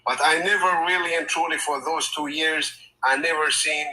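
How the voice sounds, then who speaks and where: A man from Palestine, talking earnestly as a guest, often halting and repeating words as he searches for them. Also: a little high, fairly even intonation, pushed and bright, poor audio. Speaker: guest on a live call. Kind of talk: casual chat. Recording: crowd noise behind.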